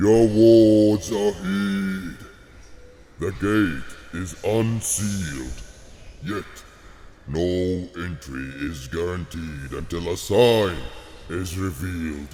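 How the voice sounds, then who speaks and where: Putting on a character voice, a man speaks very slowly in a resonant, very deep, low pitch, with ordinary pitch variation, big swings in loudness and long, frequent pauses. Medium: audio drama. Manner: grandiose, archaic.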